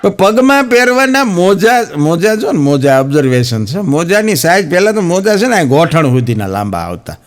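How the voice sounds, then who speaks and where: A man with a Gujarati accent doing stand-up comedy, his pitch sitting a little high and swinging widely as he tells his jokes. He slips into the voices of the people in his stories as he goes. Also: big pitch swings, moderate pace, hardly any pauses. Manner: storytelling, acts out quoted characters. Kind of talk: stand-up joke telling.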